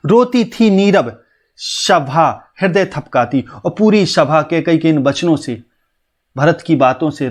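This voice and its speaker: A young man giving a lesson on a poem, his voice sitting a little higher than most men's. He reads each verse line slowly and with lift, then drops into plain explanation. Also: a little mellow. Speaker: Hindi teacher.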